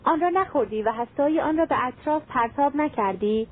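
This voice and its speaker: A woman's voice: high-pitched, lively intonation. A woman voicing an ancient, white-haired male jinn who speaks in a threatening, relentless way, over a tinny phone-like line. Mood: menacing.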